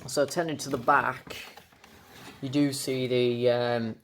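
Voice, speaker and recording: Young man, British accent, medium pitch, casual product reviewer, unscripted, halting, stumbling and self-correcting. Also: level tone, fairly bright tone, slight background noise. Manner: halting, stumbles over words and corrects himself. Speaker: toy collector reviewing an item on video.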